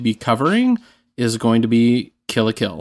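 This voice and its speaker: In a very clean recording with a silent background, a man with an American accent speaks at medium pitch and a fairly slow pace. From US South, Memphis, Tennessee. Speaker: anime podcast co-host. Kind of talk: casual chat. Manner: halting, many fillers and repeats.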